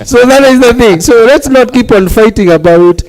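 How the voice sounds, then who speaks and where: A man's voice: extremely high pitch, normal speed, a little mellow. A man with a Kenyan accent, a church leader talking on a television talk show in an earnest, preacherly way and laughing lightly between his points.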